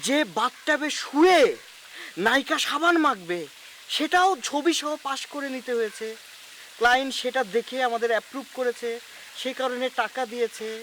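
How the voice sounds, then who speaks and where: A man's voice: very high-pitched, moderate pace, pushed and bright, a little hiss or hum, rough recording. An actor playing a bossy ad film producer who scolds his assistant with sarcasm. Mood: sarcastic. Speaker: ad film boss at a shoot. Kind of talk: TV drama acting.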